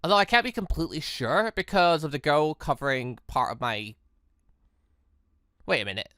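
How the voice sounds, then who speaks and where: Someone hosting a gaming video, reading a visual novel aloud with casual commentary and an expressive, excitable manner. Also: medium pitch, moderate pace, no room sound, studio quality. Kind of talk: casual let's play commentary mixed with dramatic read-aloud narration.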